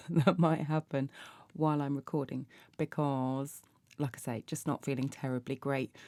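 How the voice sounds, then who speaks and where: A woman with an English accent speaks at a moderate pace in a very deep, low pitch, her intonation monotone and flat and her tone dark and mellow. The recording is very clean with a silent background, and the sound is dry and close with no echo. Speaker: podcaster and coach. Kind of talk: casual chat.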